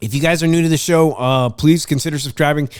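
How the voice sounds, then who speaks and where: A man's voice: on the high side, quick pace, smooth, no echo. A congested man hosting a sports podcast, chatting casually about baseball and boxing, rambling with many uhs and restarts.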